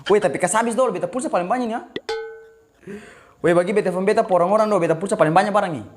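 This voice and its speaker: A man's voice: high voice, rapid-fire. A young man from eastern Indonesia with an Ambonese Malay accent, hosting prank calls in casual, playfully insistent banter. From Maluku, eastern Indonesia. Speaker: prank-call host. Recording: music playing behind.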